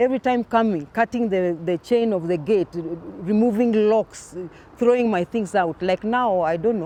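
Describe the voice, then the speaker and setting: A woman speaks with a dark, mellow tone. The sound is dry and close, with no echo. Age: 60s. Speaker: retired civil servant complaining about harassment in a news interview. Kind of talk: interview answer. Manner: distressed, pleading.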